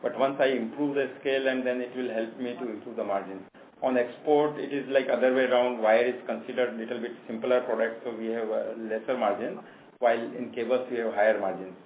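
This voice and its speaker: A man, a company executive answering analysts' questions on an earnings call and pausing often with fillers. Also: medium pitch, fairly even intonation. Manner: hesitant, many fillers and restarts. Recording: echoey phone line with faint noise.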